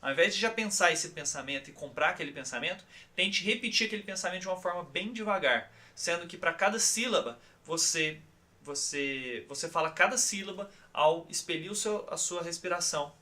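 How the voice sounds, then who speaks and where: Bright-voiced Brazilian man teaching calmly. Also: a little high, brisk. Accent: Brazilian Portuguese. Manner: calm, guiding, often checks in with listeners. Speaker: course instructor. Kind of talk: recorded online course lesson.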